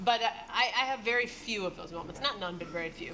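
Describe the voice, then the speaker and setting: An unremarkable speaking voice: a woman, fairly high-pitched, lively in intonation, at a moderate pace, over light background noise. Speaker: rapper; guest. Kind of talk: casual chat. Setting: stage with audience. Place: stage.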